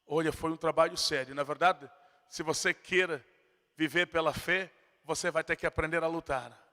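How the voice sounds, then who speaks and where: A man's voice: on the high side, steady tone, moderate pace, sharp tone. A male pastor preaching a sermon with emphasis and acting out the people in his stories, in a church hall. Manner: emphatic preaching, acts out quotes. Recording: long hall reverb.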